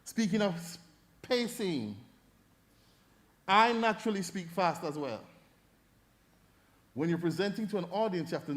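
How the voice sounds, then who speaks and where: This is a high-voiced Jamaican man in middle age, sharing feedback from the judges' table. He talks in an animated, coaching way, often acting out voices to make his point. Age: middle-aged. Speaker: debate judge. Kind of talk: feedback speech to an audience.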